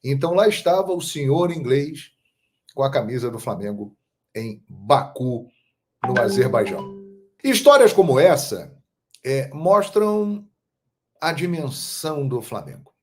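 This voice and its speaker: A man from Brazil hosting a football channel, telling stories in a measured, emphatic monologue. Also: mid-range voice, sing-song. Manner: measured, storytelling, emphatic on key phrases. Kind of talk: casual monologue to camera.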